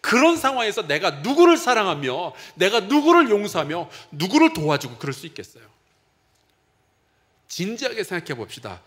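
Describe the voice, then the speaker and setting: Animated high-voiced male pastor preaching. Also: moderate pace. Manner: conversational preaching with questions to the congregation. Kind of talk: sermon.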